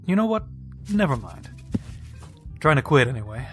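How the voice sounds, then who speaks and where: A man's voice: medium pitch, sing-song, normal speed, soft background music, close to an everyday voice. An actor playing a chatty, self-deprecating, flirtatious man in a naturalistic audio drama. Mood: wry, casual.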